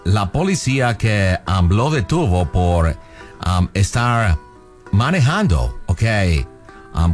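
A man playing an American police officer who speaks halting, broken Spanish with English fillers. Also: on the low side.

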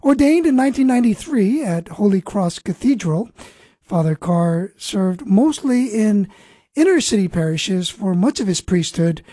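A man hosting a Christian radio interview program, speaking in an earnest, measured way. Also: sits high, warm tone, dry recording. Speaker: radio ministry host.

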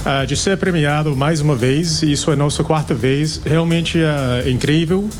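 A man from the United States with an American accent, speaking Portuguese haltingly with many fillers, interviewed as a chef. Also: fairly high pitch, soft background music. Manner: hesitant, many fillers and restarts. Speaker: chef, restaurant owner. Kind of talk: casual interview.

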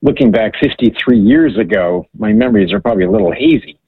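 A man around sixty from Hawaii, a Catholic writer, telling stories in an earnest, measured way as a radio guest. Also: mid-range voice, sing-song, creaky, slightly rough, dry recording. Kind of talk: radio interview by phone. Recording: tinny, dry phone line.

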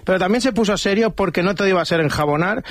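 Un hombre, presentador de radio deportiva, hablando de forma coloquial y burlona. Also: male voice, sits high, a bit bright. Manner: fast, mocking, colloquial. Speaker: radio sports show host. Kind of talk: comic sports radio chat.

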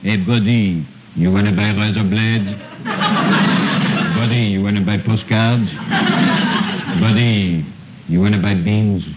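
A man voicing a pushy middle-aged street peddler who hawks his wares in a low, gruff voice. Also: fairly even intonation, unhurried, pauses often, close to an everyday voice. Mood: hawking. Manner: gruff, hawking. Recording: dull old radio recording with noise.

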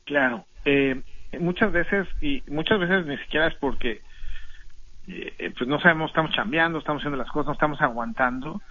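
Bright husky-voiced doctor on radio. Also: male voice, fairly high pitch, normal speed. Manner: patient, repeats words while explaining. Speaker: doctor guest. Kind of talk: explaining health advice on a call-in radio show. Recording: dull lo-fi radio broadcast.

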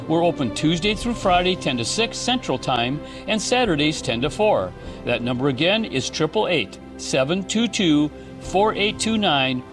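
A man reading a scripted radio advertisement in an upbeat, promotional way. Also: a little high. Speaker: ad announcer.

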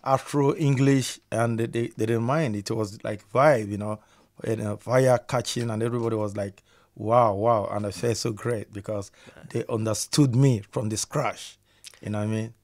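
A man's voice: on the low side, steady tone, normal speed, a little mellow. A man from Nigeria, guest musician on a casual radio interview, upbeat and repeating his phrases.

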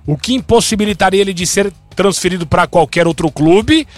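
High-voiced man, chatty sports host. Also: a little fast, no echo, faint music behind. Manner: chatty, many fillers and restarts, animated. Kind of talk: sports talk show discussion.

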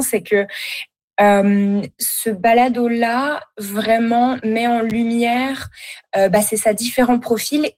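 A woman's voice: on the high side, a little mellow. A woman from France with a French accent, answering a radio interview with many hesitations and fillers. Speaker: podcast host and career coach guest.

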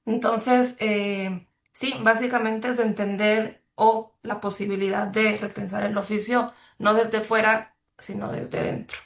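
A woman's voice: mid-range voice, flat delivery. Ecuadorian journalist woman, roomy sound. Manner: thoughtful, measured, with frequent fillers and restarts. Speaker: journalist guest. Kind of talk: reflective interview answers. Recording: roomy echo.

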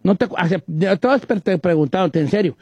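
High-voiced radio host. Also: male voice, animated, fast, darkish tone, breathy edge, no echo, highs cut off. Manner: joking, teasing, quizzing guests. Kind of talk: casual radio banter.

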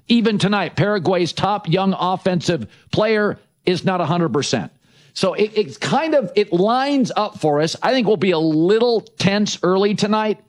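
Brash sports talk host, slightly high voice. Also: male voice. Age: middle-aged. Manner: brash, emphatic short punchy sentences. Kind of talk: opinionated sports radio talk.

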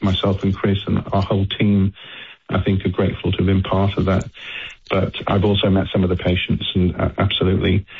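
An older man with a Liverpool accent, a scientist guest calling into a radio interview, speaking haltingly with many restarts. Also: low-pitched, monotone, creaky, husky. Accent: Liverpool English. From England. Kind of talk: phone-in interview. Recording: tinny phone line.

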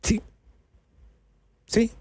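Slangy Chilean actor, dry studio sound. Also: male voice, drawn-out words, warm tone, dry recording. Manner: casual, slangy, many fillers and tag questions. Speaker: actor interviewed as a guest. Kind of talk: candid conversational interview.

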